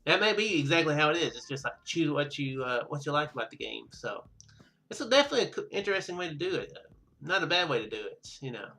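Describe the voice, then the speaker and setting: Animated higher-voiced man commentating on a game. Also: fast talker, poor audio. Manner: rambling, thinking aloud. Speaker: gaming video host. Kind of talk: casual let's play commentary.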